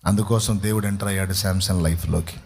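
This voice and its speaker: A man's voice: sits low, steady tone, fast talker, gravelly, darkish tone, husky, in a large hall. A man preaching a sermon as a pastor, telling stories and asking his listeners questions. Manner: storytelling preacher who asks the listeners rhetorical questions.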